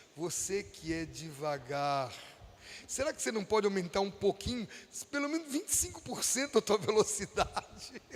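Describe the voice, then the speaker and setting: Pitched high, a man's voice makes very wide swings at a moderate pace. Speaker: preacher. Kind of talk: sermon.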